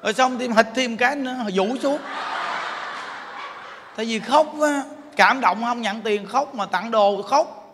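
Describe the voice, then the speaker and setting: High-voiced Southern Vietnamese monk. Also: male voice, a little slow, long pauses. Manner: lively, animated storytelling with laughter. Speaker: Buddhist monk preacher. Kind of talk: storytelling sermon. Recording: reverberant hall, faint noise.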